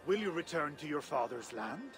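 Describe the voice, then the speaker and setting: An actor playing an aging Viking king turned Christian, slow and gentle in manner, laughing often in a video game cutscene. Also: a little high, sing-song, over music. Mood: calm.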